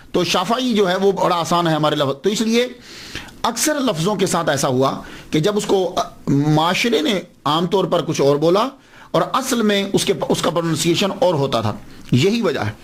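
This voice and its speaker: A man giving a religious lecture as a scholar, explaining step by step and asking questions he then answers. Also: sits high. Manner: slows down to spell out names and words. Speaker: Islamic scholar.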